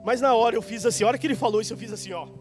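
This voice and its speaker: A man with a Brazilian accent preaching in a church, telling a story in an animated, conversational way and talking directly to the congregation. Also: very high voice, racing, faint music behind. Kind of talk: storytelling sermon. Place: church hall.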